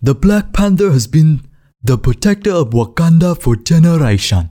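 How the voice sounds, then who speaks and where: A man's voice: on the high side, very animated, moderate pace, warm tone, voice pushed up. A man voicing a boastful Nigerian man with a put-on Nigerian English accent. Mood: proud. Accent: imitated Nigerian English.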